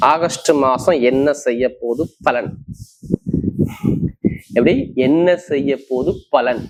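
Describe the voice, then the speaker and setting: A man speaks in a medium-pitched voice. He presents like an astrologer addressing viewers, stressing each point. His phrases come in short bursts, often repeated and stacked into lists. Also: poor audio. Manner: emphatic, repetitive, listing points in short bursts. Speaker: astrologer presenting horoscope forecasts. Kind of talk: monthly horoscope talk to camera.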